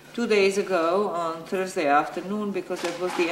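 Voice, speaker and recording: Against noticeable background noise, a woman speaks at a fairly quick pace with fairly even intonation. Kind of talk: explanatory site commentary. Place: open country. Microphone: camera far.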